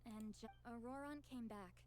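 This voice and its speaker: A woman's voice: fairly high pitch, moderate pace, darkish tone, slight background noise, lightly acted. A woman voicing a frank, responsible tribal guardian in a video game, speaking directly and earnestly. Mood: serious, regretful.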